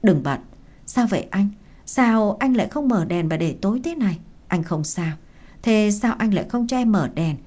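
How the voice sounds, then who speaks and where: A woman's voice: medium pitch, lively intonation, moderate pace, natural voice. A woman doing a curt, withdrawn father. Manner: curt, subdued, quiet. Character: withdrawn, guilt-ridden middle-aged father.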